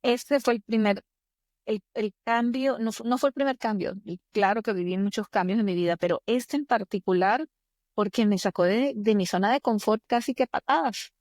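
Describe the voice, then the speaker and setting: A woman's voice: a little high, moderate pace, darkish tone, no echo. A woman in her fifties from Venezuela, with a Venezuelan accent, telling personal stories expressively as an interview guest. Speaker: podcast guest, executive coach. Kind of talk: conversational interview, personal storytelling.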